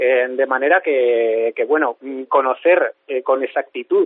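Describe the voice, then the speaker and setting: A man speaks in a Castilian accent at a fairly slow pace. His intonation stays fairly even. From Spain. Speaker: science news correspondent. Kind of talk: news report.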